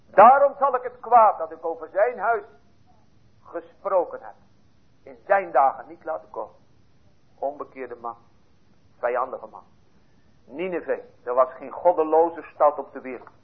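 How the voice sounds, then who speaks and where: A man preaches with fervour, his high voice husky and strained. He drops to near-whispers and then lifts into loud pleas. The recording is thin and phone-like. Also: animated, unhurried, pauses often. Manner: fervent preaching, swings between hushed and loud. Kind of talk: sermon. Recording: tinny lo-fi sermon recording.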